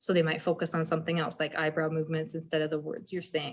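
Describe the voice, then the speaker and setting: A woman with a Canadian accent talks at a very fast pace in a fairly low pitch. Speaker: special education teacher. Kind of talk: webinar presentation.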